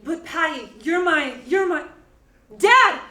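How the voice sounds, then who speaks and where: A bright, high voice belongs to an eager young director who keeps apologizing, read by a woman. It sounds from an echoey room with faint ambience around it. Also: animated, slow, exaggerated voice. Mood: excited. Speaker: Lily, director reading Billy's lines. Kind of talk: staged reading of a play.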